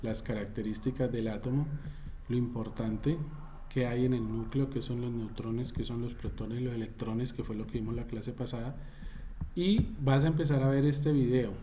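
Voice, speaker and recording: A man's voice: mid-range voice, steady tone, normal speed, dark tone, slight background noise. A man teaching an online class over a video call, repeating and restating his points and calling on students by name.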